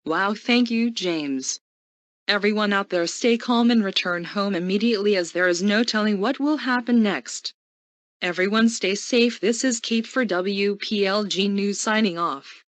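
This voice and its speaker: A woman's voice: mid-range voice, measured pace, dry recording, close to an everyday voice. A woman playing an earnest television news anchor delivering a scripted crisis bulletin. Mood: earnest, urgent. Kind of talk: scripted local TV newscast.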